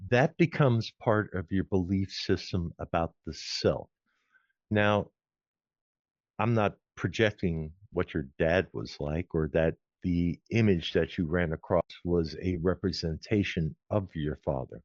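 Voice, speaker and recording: Man, podcast guest, very deep voice, slow deliberate explaining, dry muffled sound. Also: no room sound. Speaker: podcast guest, former recording engineer. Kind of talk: measured explanation.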